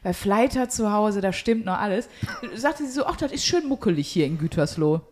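A woman's voice: medium pitch, lively intonation, a little fast, darkish tone, a little hiss or hum. A woman from Germany's Ruhr area hosting a casual podcast chat indoors, with a cheeky, teasing, slangy way of talking. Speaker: podcast host. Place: indoors at a home.

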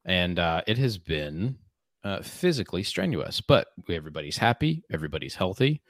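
A man co-hosting a casual podcast, talking in a halting way with many fillers and restarts. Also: deep voice, very animated, no echo, studio quality. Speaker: podcast co-host. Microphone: podcast microphone.

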